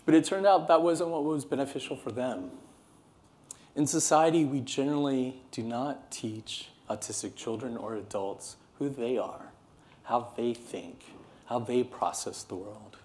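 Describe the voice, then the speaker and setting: A man's voice: mid-range voice, a little slow. A man in his thirties from California with an American accent, giving an earnest, passionate conference keynote to a seated audience. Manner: earnest, animated, passionate delivery. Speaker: keynote speaker. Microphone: podium microphone, moving around the stage.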